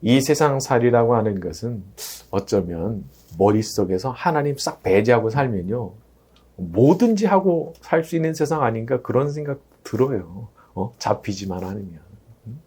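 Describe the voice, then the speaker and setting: A man preaching a Sunday sermon as pastor, animated, often tossing in rhetorical questions. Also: medium pitch, moderate pace, slightly rough. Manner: animated, rises and drops sharply, asks rhetorical "어?".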